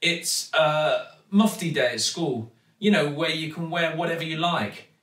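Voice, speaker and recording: A man's voice: fairly high pitch, measured pace, a bit bright, pitched above the performer's own voice. A man voicing a small, flustered young girl who speaks hesitantly and awkwardly. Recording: echoey, distant mic.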